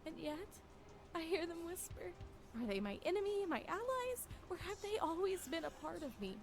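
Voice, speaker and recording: A woman playing a fearful wife losing her grip on reality, narrating a horror game in a brooding, halting, theatrical way. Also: extremely high pitch, very animated, soft background music, full character voice. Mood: anguished, dread. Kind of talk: dramatic first-person horror game narration.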